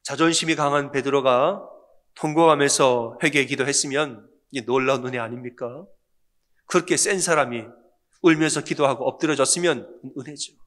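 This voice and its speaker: A man preaching a Sunday sermon as pastor, asking the congregation questions and answering them himself. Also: moderate pace. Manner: acts out quoted lines in a softer, lower voice.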